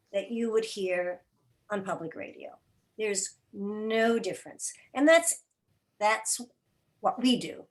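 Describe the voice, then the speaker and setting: A woman answering as an interview guest, explaining things deliberately and emphatically in short, broken phrases. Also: a little high. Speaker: guest, radio drama and podcast producer.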